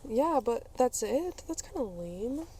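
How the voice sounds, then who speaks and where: Female podcast host, higher voice, chatty and playful, casual banter, recorded out and about over clear vehicle noise. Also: sing-song, unhurried. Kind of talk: casual chat. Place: on the go, around parking lot and car. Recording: noisy on-location recording with vehicle ambience. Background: clear ambient and vehicle noise.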